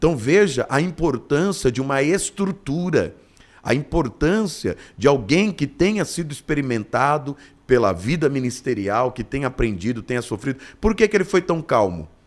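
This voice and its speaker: This man talks at a moderate pace with a fairly high pitch. His pitch swings very widely. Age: under 60. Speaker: pastor and co-host. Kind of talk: religious talk show. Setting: studio, live radio broadcast.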